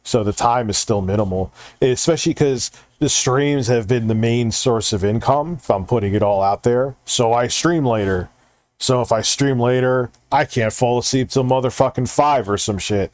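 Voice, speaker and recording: Man, livestream host, mid pitch, rambling, profane, casual, dry close mic. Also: normal speed, no room sound. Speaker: streamer and show host.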